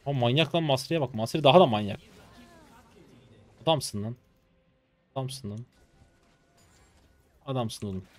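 A man in his twenties commentating his own gameplay live, excitable and swearing casually as he talks to viewers. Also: medium pitch, normal speed, long pauses. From Turkey. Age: 20s. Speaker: game streamer.

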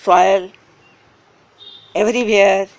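A woman whose first language is Hindi walks through a gardening recipe one short phrase at a time. She speaks at a very slow, deliberate pace with a mid-range voice and plain, clipped wording. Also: mid-range voice, steady tone. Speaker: gardening channel host. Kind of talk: step-by-step how-to narration.

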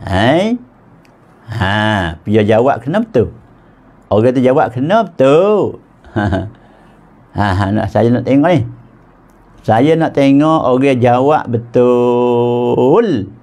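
A man's voice: medium pitch, animated, slow pace, pauses often, a little mellow. A man with a Patani Malay accent giving a religious lecture in a mosque, jovial, quizzing his listeners and chuckling often. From southern Thailand. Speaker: religious teacher.

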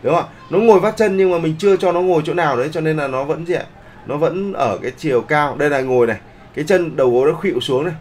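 Guy teaching an online class, slightly high voice, keeps asking if students follow. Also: fast, slight background noise. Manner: keeps checking in with the class, polite particles. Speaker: online art instructor. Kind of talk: live class tutorial.

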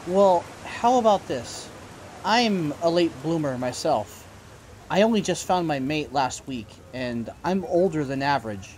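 A young male werewolf, played by a man, teasing and optimistic. His delivery is slow and full of lively swings, in audio drama style over faint ambient noise. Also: fairly high pitch. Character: teasing, upbeat werewolf friend, twenty-three.

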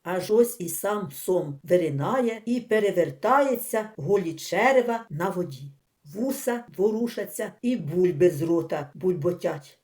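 A woman reading a humorous story aloud as an audiobook, with expressive, animated storytelling. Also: lowish voice, measured pace. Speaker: audiobook reader.

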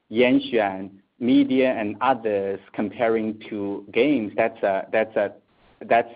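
A man explaining financial matters as an executive on an earnings call, in a measured, halting way with repeated words. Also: fairly low pitch. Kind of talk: earnings call answer, unscripted business explanation. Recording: tinny phone conference line.

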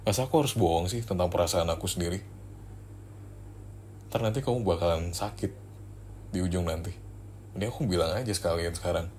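A man's voice: deep voice, fairly quick, pauses often, a little mellow, a little hiss or hum, natural voice. A young man voicing a cold, dismissive husband in an arranged marriage, in a spoken ASMR role-play. He talks bluntly in casual slang and slips English phrases in between. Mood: irritated, blunt.

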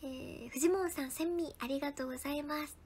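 A young woman chats casually on a livestream, thanking viewers by name and slipping into soft whispered asides. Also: high voice, steady tone, fast. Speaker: idol livestreamer. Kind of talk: casual livestream chat reading viewer comments.

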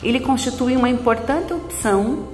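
A woman's voice: fairly high pitch, moderate pace, a little mellow, roomy sound, big-room sound, faint music behind. A woman formally presenting a university pharmacy course, speaking indoors in a plain white room. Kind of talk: prepared institutional talk.

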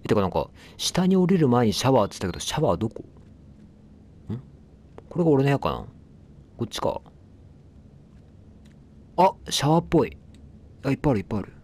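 A man's voice: mid-range voice, big pitch swings, fast talker, pauses often, a little mellow. A man giving casual let's play commentary, chatting to the game and its characters as he plays. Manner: chatty, talks back at the game, apologizes for noise.

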